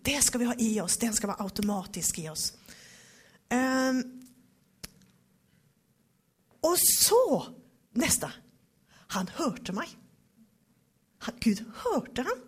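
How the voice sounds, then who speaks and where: A woman giving a devotional Bible teaching, reading verses slowly and with emphasis, then talking them over. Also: on the high side, lively intonation, slightly rough.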